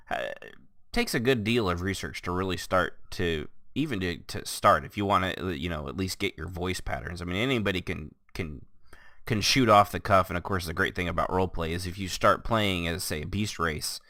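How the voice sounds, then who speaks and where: A man hosting a casual gaming podcast, rambling and restarting his sentences, quick to laugh. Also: sits low, lively intonation, pushed and bright, no echo, clean studio sound. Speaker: podcast host. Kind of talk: casual chat.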